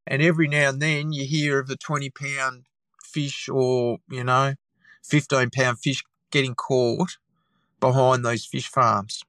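Croaky Australian man with a cold. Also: mid-range voice, little pitch movement, unhurried, fairly bright tone, dry recording. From Tasmania, Australia. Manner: rambling explanations with many restarts and fillers. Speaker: guest taxidermist. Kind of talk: casual podcast chat.

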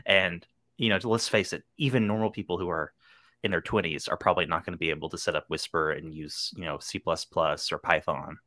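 A man hosting a podcast, asking his guest relaxed, probing questions. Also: low-pitched, brisk, no room sound. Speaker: podcast host. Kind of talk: casual interview.

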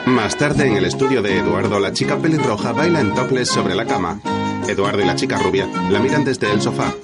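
A man narrating audio description for a film in an even, neutral reading. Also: on the low side, brisk. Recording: loud film music behind.

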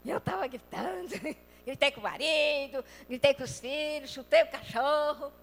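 Woman preacher, high voice, lively sermon, acts out quotes, loud then soft, long reverb. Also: moderate pace, gravelly.

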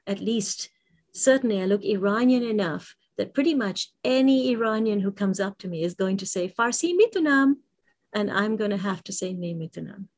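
A woman's voice: medium pitch, expressive, moderate pace, darkish tone. Reflective woman co-host. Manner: reflective, emphatic. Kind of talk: casual panel chat.

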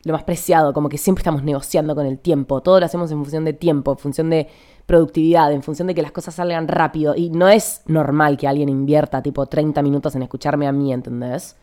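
Casting: young Argentine female podcaster, lower register, over-energized hurried delivery, informal and talkative. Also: fairly even intonation, warm tone. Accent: Argentine Spanish. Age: young adult. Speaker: podcast host. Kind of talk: casual podcast monologue.

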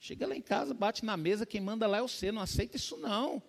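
Pastor doing a wise calm buddy giving advice, voice dropped low and quiet, still kinda high for a guy. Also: quick pace, vocal fry. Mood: advising. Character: calm, wise male friend giving counsel.

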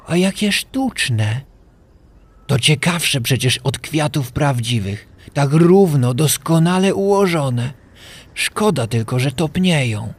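A man's voice: mid-range voice, slightly rough, voice pushed up, heavily acted. A man voicing an impatient, mocking young boy in a storybook tale, with a brusque manner. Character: scornful, impatient young boy turned cold-hearted. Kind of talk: storybook character reading.

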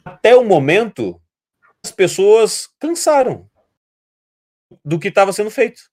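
A man's voice: high voice, unhurried. A man from Brazil chatting casually, telling long, rambling stories and imitating voices. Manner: rambling animated storytelling, imitating other people's voices. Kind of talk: casual chat.

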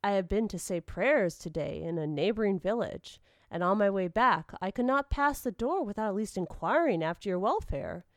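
A woman's voice: mid-range voice, expressive, moderate pace, dry recording, clean studio sound, lightly acted. A woman voicing a courteous, shrewd old priest with ceremonious, declamatory phrasing in a storybook reading. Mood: hailing loudly.

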